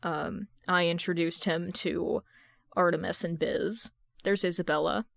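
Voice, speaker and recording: A woman's voice: lowish voice, fairly even intonation, measured pace, gravelly, fairly bright tone, no room sound, studio quality. A woman reading the part of a bashful, earnest young man who streams, casual and mildly defensive, in an audiobook story.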